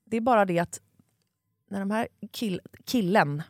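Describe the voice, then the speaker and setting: A woman's voice: medium pitch, no room sound, studio quality. A woman co-hosting a podcast, telling a long story in a casual chat and swearing freely. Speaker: podcast co-host.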